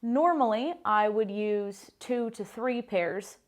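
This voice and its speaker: A woman's voice: medium pitch, slow pace. American woman, 30s, pastry chef host; casual, friendly kitchen tutorial delivery, filler-heavy chat. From United States. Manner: chatty, upbeat, frequent "like" fillers. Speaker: baker and pastry chef, cooking show host. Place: home kitchen.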